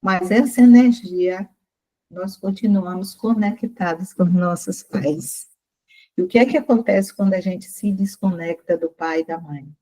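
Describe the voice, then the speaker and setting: An older Brazilian woman leading a study group, reading aloud and talking slowly and carefully to save her strained throat, often asking the group questions. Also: lowish voice, dark tone, low-quality recording. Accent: Brazilian Portuguese.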